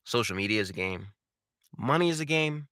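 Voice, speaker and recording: A man coaching in an informal instructional style, animated and emphatic, speaking directly to his viewers. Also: mid-range voice, fairly quick, dry recording, studio quality. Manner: animated, emphatic, uses rhetorical questions and repetition. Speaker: voice acting coach and video host. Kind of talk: instructional talk to camera.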